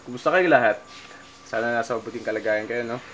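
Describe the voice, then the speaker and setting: A middle-aged Filipino man talks casually to viewers in a halting, conversational vlog style, thinking aloud as he demonstrates. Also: medium pitch, a bit bright. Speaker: musician vlogger.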